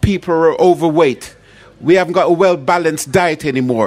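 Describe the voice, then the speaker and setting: The man's voice has a high pitch. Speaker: speaker. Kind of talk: public speech rant. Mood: indignant, earnest. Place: open country.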